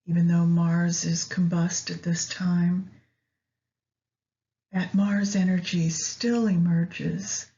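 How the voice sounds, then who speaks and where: Woman, meditation guide, very unhurried, lowish pitch, short phrases with pauses, slightly dull lo-fi recording. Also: dark tone. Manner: measured, pausing between short phrases. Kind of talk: guided meditation with astrology commentary.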